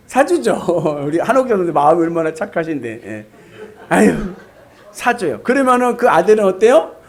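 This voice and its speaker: Animated Korean-speaking pastor preaching. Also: male voice, high-pitched. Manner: animated, rhetorical questions to the congregation. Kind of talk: sermon.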